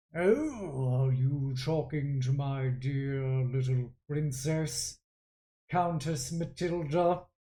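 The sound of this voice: Booming and low-to-middle in pitch, this is a put-on character voice. It moves at a very slow pace.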